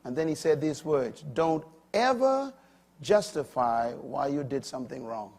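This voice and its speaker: An older man preaching a sermon, swinging from loud emphatic peaks to quiet low asides. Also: expressive, measured pace, vocal fry.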